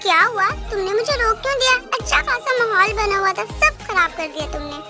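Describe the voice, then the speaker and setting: A cheeky young lover who teases and coaxes in a fan-dubbed romance drama, as a woman puts him on. He sounds very high and light for a man, with music playing underneath. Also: expressive, quick pace. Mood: teasing. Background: background music.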